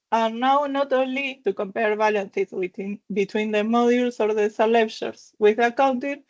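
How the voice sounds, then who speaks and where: A woman's voice: a little high, muffled recording. A woman from Argentina with an Argentine accent and Spanish as her first language, presenting to a webinar audience over a video call. She talks in careful non-native phrasing and laughs between points. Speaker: finance consultant presenter.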